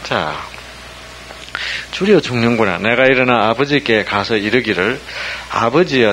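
Animated man preaching, faint hiss. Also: mid-range voice, low-quality recording. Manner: animated, asks listeners rhetorical questions constantly. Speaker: pastor. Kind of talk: sermon with call-and-response questions.

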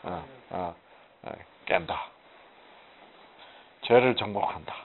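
A man's voice: deep voice, slow, creaky. A man teaching a casual Bible study, asking rhetorical questions and answering them himself with emphasis. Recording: muffled phone-like audio.

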